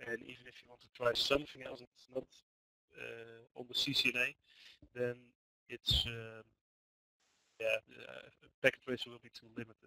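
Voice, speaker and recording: A man with a Dutch accent talks at a moderate pace, with big swings in loudness and long, frequent pauses, in a dry, close sound with no echo. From Netherlands. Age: 30s. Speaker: network engineering trainer. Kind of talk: webinar Q&A. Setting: webinar call. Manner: halting.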